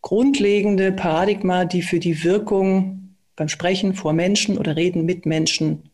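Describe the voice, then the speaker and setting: A speaking and voice coach calmly explaining and demonstrating exercises in a conversation, with small hesitations. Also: medium pitch, normal speed.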